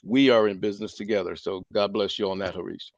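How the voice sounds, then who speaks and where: A man's voice: lowish voice, steady tone, fast talker, dry recording, muffled recording. A man leading an online business meeting, speaking in an emphatic, preachy way over a video call. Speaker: meeting leader. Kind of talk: motivational meeting talk.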